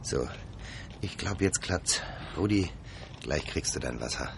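An actor playing a kindly young man standing in for Santa, gently chatting to his reindeer and a boy. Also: extremely low pitch, expressive, measured pace, gravelly, background noise, full character voice. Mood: gentle.

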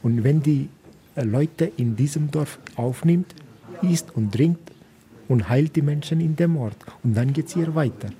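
Dark-voiced priest from India, halting. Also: male voice, on the high side, rough recording. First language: not German. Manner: halting, searching for words. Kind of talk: radio interview.

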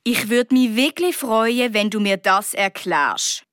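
A woman's voice: on the high side, takes it slowly, a bit bright, smooth, dry recording, studio quality. A woman voicing a stern Swiss German dad. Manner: cold and reproachful. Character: stern, angry father of a young girl.

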